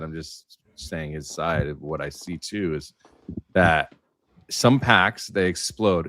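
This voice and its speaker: A man's voice: low voice, fairly bright tone, no echo. A man talking casually in a roundtable discussion, with informal, slangy and emphatic phrasing. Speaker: livestream panelist.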